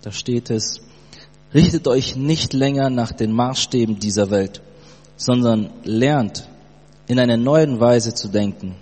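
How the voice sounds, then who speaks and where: A Brazilian-born man in his late twenties giving a fervent church testimony, halting often with fillers. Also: medium pitch, a little mellow, breathy edge. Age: 20s. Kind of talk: sermon testimony. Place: church hall. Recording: long hall reverb, mains hum.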